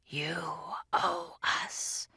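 A woman's voice: very slow, sharp tone, dry recording, full character voice. Woman putting on a whispering male demon. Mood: menacing. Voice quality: deep harmonic voice. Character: menacing male demon creature, hunched and gloating.

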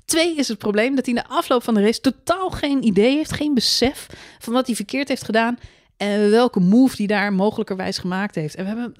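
A woman with a fairly high voice talks racing in a quick, animated way, mimicking drivers' excuses. The sound is dry and close, with no room around it. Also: no room sound. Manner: animated, quick, mocks drivers with put-on quotes. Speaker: podcast co-host. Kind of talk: casual chat about motor racing.

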